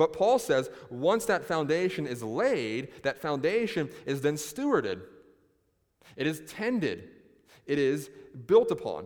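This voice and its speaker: A man speaks fairly slowly in a fairly high voice with vocal fry. His pitch swings very widely, broken by long, frequent pauses. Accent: American. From US South, South Florida. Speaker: pastor. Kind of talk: sermon. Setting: church.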